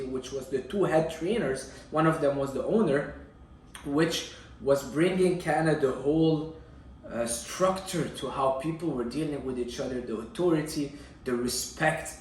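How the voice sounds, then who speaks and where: A man's voice: mid-range voice, a little mellow. A young man from Syria telling his own life story in an emphatic, conversational vlog style. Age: young adult. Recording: echoey room, distant mic, faint noise.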